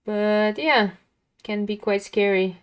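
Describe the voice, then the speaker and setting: A young woman with a calming, mid-pitched voice. She talks in a casual, chatty way to viewers of her drawing livestream and often addresses them directly. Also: takes it slowly, clear, resonant tone. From lives near a big Dutch city. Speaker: art livestream host. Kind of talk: casual chat while drawing.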